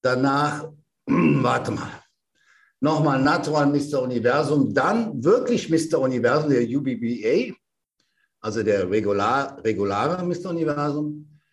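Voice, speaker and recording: A German man in his sixties, a veteran bodybuilder telling anecdotes as a podcast guest in a lively, animated way. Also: mid-range voice, measured pace. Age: 60s. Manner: lively storyteller who acts out sounds and quotes. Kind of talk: casual anecdotal storytelling.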